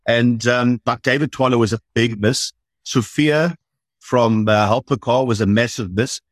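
A man with a mid-pitched voice chats loosely about his rugby picks and is quick to laugh at his own mistakes. His voice sounds dry and close to the mic. It is an easygoing podcast discussion. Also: no echo. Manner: chatty, self-deprecating. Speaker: rugby analyst.

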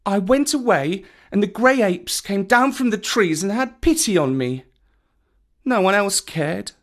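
Little jungle boy, high-pitched, boastful, sulky, defiant, childlike storybook voice. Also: sing-song, unhurried, a bit bright, heavily acted. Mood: sulky, pleading. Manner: high, exclamatory, childlike delivery.

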